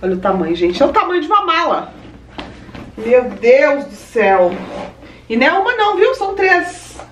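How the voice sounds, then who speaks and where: A woman's voice: very high voice, huge pitch swings, fast talker, a bit bright. A young Brazilian woman with a Brazilian Portuguese accent, chatting effusively to her viewers in a casual unboxing vlog at home. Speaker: vlogger. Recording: roomy echo, distant mic, faint ambient noise.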